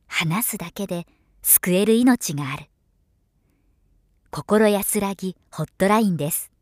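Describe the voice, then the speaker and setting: A professional female narrator delivers scripted material at a medium pitch. Her articulation is clear and her manner is measured and formal. The recording is close and dry, with very little room sound. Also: a little mellow, no room sound. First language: Japanese. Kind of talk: polished scripted narration for demos.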